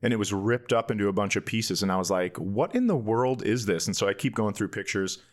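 A man's voice: on the low side, animated, brisk. A middle-aged man, a comedian and podcast co-host, telling casual comic stories in a candid, self-deprecating way.

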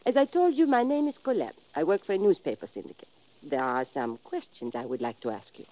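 Poised seductive foreign lady, animated pitch. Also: dry recording. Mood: secretive, composed. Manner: formal, deliberate, no contractions. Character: poised, seductive foreign woman, mysterious newspaper reporter. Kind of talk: 1950s radio drama acting. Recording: muffled old radio recording.

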